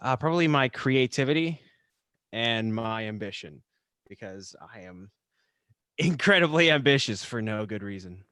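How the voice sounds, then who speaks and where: A man speaks in a casual interview style as a guest. His delivery is halting, with stammers and repeated words as he works out his thoughts. His pitch is ordinary and the sound is dry. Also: lively intonation, sharp tone, no room sound. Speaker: podcast guest, writer and actor.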